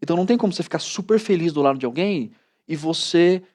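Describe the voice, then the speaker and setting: Brazilian pastor man, lively storytelling. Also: on the high side, quick pace. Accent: Brazilian Portuguese. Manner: animated storytelling, many "né" tags. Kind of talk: casual studio talk.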